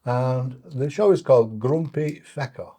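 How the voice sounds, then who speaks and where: A man's voice: medium pitch, measured pace, warm tone. A man, chatting casually and jokily as an interviewer. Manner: jokey, bantering.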